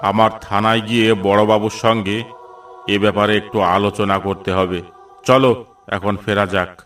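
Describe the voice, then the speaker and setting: A man voicing a gruff, commanding middle-aged police officer in a cartoon. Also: lowish voice, steady tone, normal speed, fairly bright tone, far from the mic, faint music behind, natural voice. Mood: stern. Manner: commanding, dismissive.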